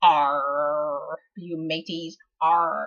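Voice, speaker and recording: A growling put-on character voice at middle pitch. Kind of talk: playful, teaching kids. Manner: pirate call, growling 'arr'.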